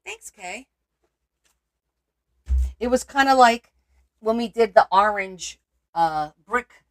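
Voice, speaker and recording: This is relaxed craft-stream chatter from a woman from Portugal who thinks out loud as she works and answers her viewers' comments. She speaks slowly and expressively in a slightly high voice.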